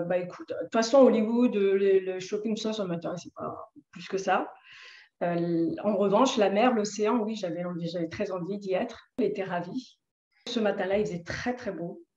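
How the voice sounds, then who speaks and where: A woman's voice: medium pitch, warm tone, roomy sound, dull audio. Hesitant French woman recounting a story. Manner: hesitant, many fillers and restarts. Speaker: interviewee sharing a personal story. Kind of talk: personal testimony.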